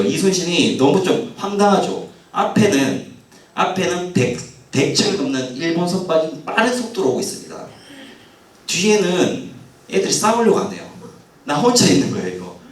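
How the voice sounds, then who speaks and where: Male lecturer, lively and questioning, slightly high voice, picked up from a distance in a roomy hall. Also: normal speed. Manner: animated, asks audience questions, acts out quoted lines. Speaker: history lecturer. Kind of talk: lively public history lecture.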